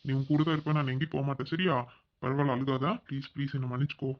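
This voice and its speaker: A man's voice: medium pitch, fairly even intonation, racing, muffled recording, close to an everyday voice. A man voicing a young husband back from abroad in a cartoon, tenderly soothing his tearful wife. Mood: doting, soothing. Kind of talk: cartoon voice acting.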